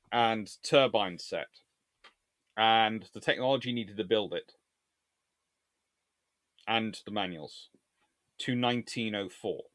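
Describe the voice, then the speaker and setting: Guy doing a live history q&a, kinda rambly, thinking out loud, very dry sound. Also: on the low side, no room sound. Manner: rambling, discursive, thinking aloud. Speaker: host, history lecturer. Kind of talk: live stream chat, answering viewer questions.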